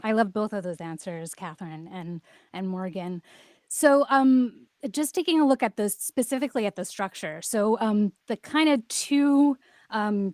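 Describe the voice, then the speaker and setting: Woman on a panel, kinda high voice, really dry sound, chatty and conversational. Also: no room sound. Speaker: podcast creator, panelist. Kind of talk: casual panel talk.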